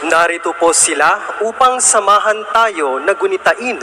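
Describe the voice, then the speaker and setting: A man with a Filipino accent hosting a religious broadcast, reading solemn, measured narration in a reverent manner. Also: high-pitched, bright, forceful tone. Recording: background music under the voice. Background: music.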